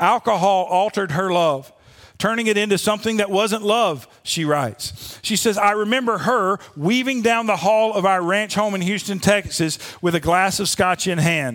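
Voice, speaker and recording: The voice carries a Southern US accent at a moderate pace with ordinary pitch variation. Recording very clean, background silent. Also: man, high pitch for a man. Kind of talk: sermon. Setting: church.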